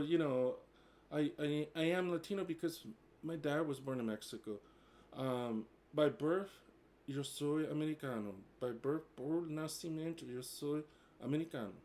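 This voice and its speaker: A man's voice: fairly high pitch, a little mellow. Hesitant American man speaking learner Portuguese. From United States. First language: English. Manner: hesitant, many fillers, switches between Portuguese and English. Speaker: vlogger. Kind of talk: casual bilingual talk to camera.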